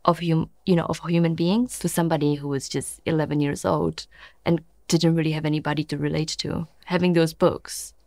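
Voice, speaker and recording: A woman's voice: sits low, fairly even intonation, brisk, creaky, warm tone, no echo, clean studio sound. A woman from the Czech Republic with a Czech accent, talking earnestly and animatedly as an interviewee. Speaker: interviewee, longtime reader.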